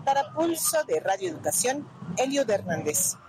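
A man's voice: very high-pitched, sing-song, moderate pace, poor audio. A man filing a radio news report, reading steadily and formally.

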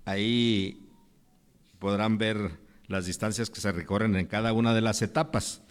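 A man's voice: lowish voice, steady tone, a little slow. A man with a Mexican accent hosting a press conference in an informal, somewhat hesitant way as he searches for words. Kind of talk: informal public presentation.

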